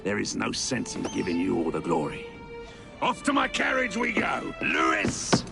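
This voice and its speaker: An actor playing a flamboyant, theatrical gang boss who speaks in a playful, grandiose way in a game cutscene. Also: male voice, fairly low pitch, wildly swooping pitch, vocal fry, music in the background, heavily acted. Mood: theatrical glee. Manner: playful, grandiose, drawn-out delivery. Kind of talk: video game cutscene acting.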